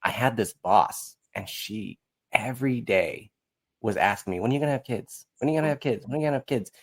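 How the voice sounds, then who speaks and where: Speaking a little fast at a medium pitch, a man appears as a guest on a podcast. He tells anecdotes candidly and casually, bluntly poking fun at himself and acting out the remarks he quotes.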